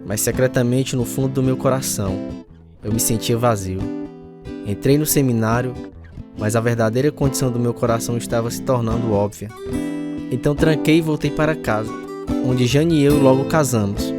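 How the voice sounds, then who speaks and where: A man's voice: mid-range voice, moderate pace, close to an everyday voice. An actor as earnest young man over music. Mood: anguished, confessional. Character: earnest, inwardly troubled young male Bible college student. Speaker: narrator and lead actor. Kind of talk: dramatized first-person radio testimony. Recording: music under the voice.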